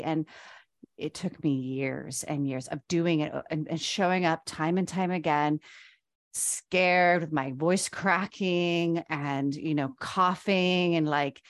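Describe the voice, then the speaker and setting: Low-voiced woman telling a personal story. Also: no room sound, studio quality. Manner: earnest, personal storytelling with many fillers. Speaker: podcast co-host. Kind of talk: casual chat.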